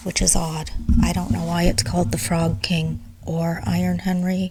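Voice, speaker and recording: Over noticeable background noise, a woman whispers fairly slowly. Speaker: ASMR storyteller. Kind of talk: reading aloud; casual chat. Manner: whispering.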